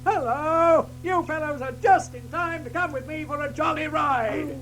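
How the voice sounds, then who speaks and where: A very high-pitched, childish toad gentleman, full of bluster and stubborn defiance. He splutters excitedly in a children's radio play, with loud music behind him. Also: moderate pace. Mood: jolly swagger. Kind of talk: children's audio drama acting.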